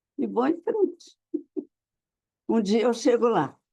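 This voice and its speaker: Very slowly, a woman speaks in a dark, mellow tone at a fairly high pitch, with very wide pitch swings. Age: 80s+. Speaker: business affiliate. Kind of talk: casual chat.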